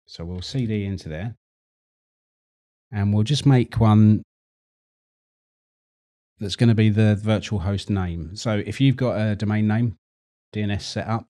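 A middle-aged man hosting a screen-recorded tech tutorial, chatty and relaxed, repeating words as he works. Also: fairly low pitch.

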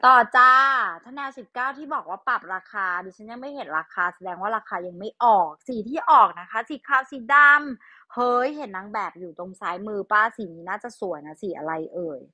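A woman's voice: medium pitch, expressive, a little fast, bright, forceful tone, no room sound. A young adult woman vlogger chatting casually through handbag releases, thinking aloud and poking fun at herself. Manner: chatty, thinks aloud, self-mocking asides. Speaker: fashion vlogger. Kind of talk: casual product talk.

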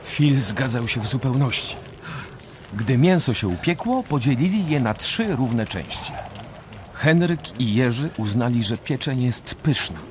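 A man's voice: mid-range voice, lively intonation, a little slow, close to an everyday voice. A man narrating a macabre survival tale in a scripted radio play. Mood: storytelling. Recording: clearly noisy radio drama recording.

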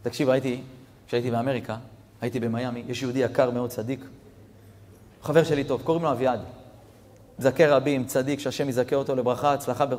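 A man, a rabbi, giving a storytelling sermon that swings between hushed passages and near-shouted peaks, talking straight to his audience. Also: medium pitch. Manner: addresses audience directly. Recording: long reverb of a hall.

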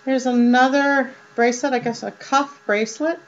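A woman vlogger doing a casual show-and-tell of jewelry, chatty and unhurried, with many ums and uhs. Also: high-pitched, fairly even intonation. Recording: dull lo-fi sound with mains hum.

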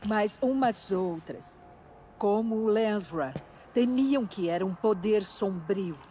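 An actress playing a devout, solemn old tribal matriarch in a video game, earnest and reverent. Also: female voice, medium pitch, slow, dark tone, faint music behind, close to an everyday voice.

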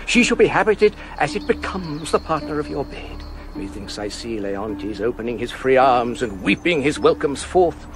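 A man's voice: mid-range voice, big pitch swings, over music, natural voice. An actor playing a loyal, earnest male courtier who counsels a prince in a radio drama. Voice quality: earnest, persuasive, measured. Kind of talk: classic radio drama acting.

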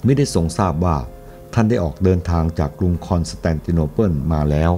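A man reading the part of a female lady-in-waiting who speaks evenly and calmly, without putting on a woman's voice. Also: deep voice, faint music behind. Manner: even, plain and measured.

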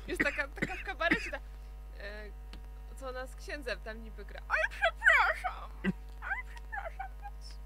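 A woman's voice: extremely high pitch, huge pitch swings, normal speed, long pauses, noisy background. A young woman bantering in a casual, giggly way. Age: young adult. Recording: off-mic amid studio chatter.

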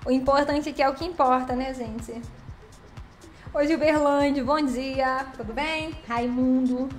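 Woman, high voice, affectionate live-stream host, roomy echo. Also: steady tone, unhurried. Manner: chatty and affectionate, calls viewers by name and pet names. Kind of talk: casual live-stream chat greeting viewers. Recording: roomy echo with faint background music.

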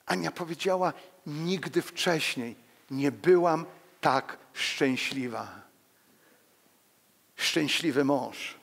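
Older male pastor, animated storyteller in the pulpit, a bit high-voiced, headset mic, church reverb. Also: slow, creaky, pauses often, husky. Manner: animated, walks among the pews, acts out quotes. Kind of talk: lively sermon with personal stories. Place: church hall.

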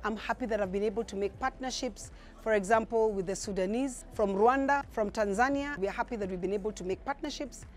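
A woman's voice: medium pitch, quick pace, hardly any pauses, a little hiss or hum. A woman from Kenya, a company founder, speaking fluently and upbeat in an interview. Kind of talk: interview testimonial.

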